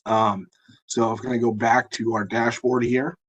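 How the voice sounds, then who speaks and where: Hoarse husky man demoing software. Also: mid-range voice, flat delivery, lo-fi sound. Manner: halting, many fillers and restarts. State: hoarse, losing his voice. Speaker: webinar presenter. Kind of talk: live software demo walkthrough.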